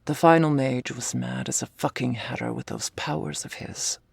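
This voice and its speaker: A woman voicing a tough but secretly tender female half-orc commander in a slow, confessional ASMR role-play, with a husky, gravelly, breathy voice. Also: extremely low pitch, steady tone, no echo, exaggerated voice. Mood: tender, reflective. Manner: slow confessional delivery, often dropping in a soft voice.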